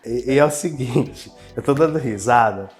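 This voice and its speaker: A man's voice: medium pitch, moderate pace, soft background music. A man with a Brazilian Portuguese accent, a business owner sharing personal experiences in an earnest, casual conversation. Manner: earnest, personal, self-reflective storytelling.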